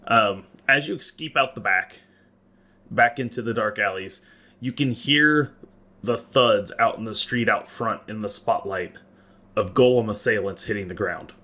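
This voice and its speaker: A man narrating and refereeing a tabletop role-playing game as game master, conversational and pausing to explain rules. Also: lowish voice, pushed and bright.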